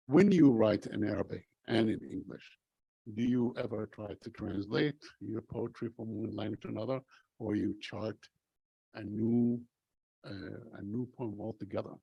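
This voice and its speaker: An older man moderating a public conversation, asking questions in a measured, reflective way with frequent fillers. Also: fairly low pitch, creaky, dark tone, breathy edge, no room sound, highs cut off. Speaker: host, interviewer.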